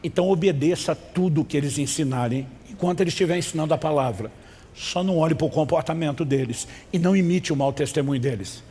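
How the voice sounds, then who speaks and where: A Brazilian man preaches emphatically from the pulpit, urging the congregation to repeat after him. His voice sits a little high for a man. It rings with the long reverb of a large church hall. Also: quick pace, dark tone, slight background noise. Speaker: pastor. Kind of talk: sermon.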